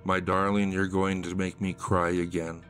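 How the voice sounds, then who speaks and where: A man voicing a smooth, eerie male street illusionist who talks softly and coaxingly in a horror story reading. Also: deep voice, level tone, moderate pace, soft background music. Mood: wounded.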